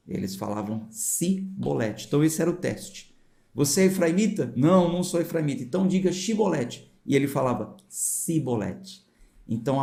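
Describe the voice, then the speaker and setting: A pastor from São Paulo reads scripture and talks it through in a relaxed, chatty way, turning aside to address his listeners. He has a São Paulo accent and a dark, mellow tone. His pitch sits in an ordinary middle range for a man. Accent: São Paulo Portuguese. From São Paulo, Brazil. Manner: conversational, explains with informal asides to viewers. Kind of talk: Bible reading with explanatory commentary.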